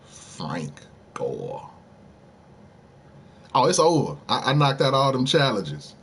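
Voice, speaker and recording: A man's voice: mid-range voice, sing-song, a little fast, a bit bright, husky. A man streaming a game, chatting casually and heatedly with his viewers, using lots of slang as he argues about sports. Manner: talks straight to viewers. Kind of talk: casual live-stream chat.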